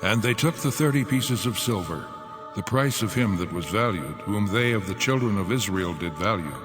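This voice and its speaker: Lowish, solemn prophet played by a man. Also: lively intonation, normal speed, music in the background, lightly acted. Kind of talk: dramatized scripture reading.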